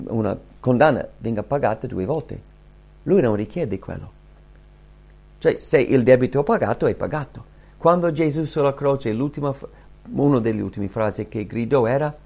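A man of middle pitch preaching a sermon. He teaches in an earnest, explanatory way and leans into key phrases with sudden emphasis. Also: darkish tone.

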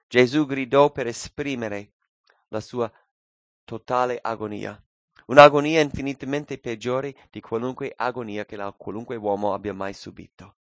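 Male preacher, mid pitch, dramatic sermon delivery with loud peaks and hushed drops, dry close mic. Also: no room sound. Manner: dramatic swings between loud cries and hushed low phrases.

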